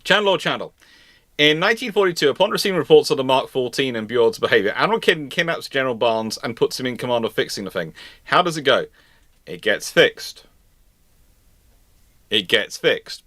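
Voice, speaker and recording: A man hosting a live naval history Q&A, reasoning aloud in a halting way and often repeating and reworking his phrases. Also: mid-range voice, a bit bright, no echo. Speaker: host answering viewer questions.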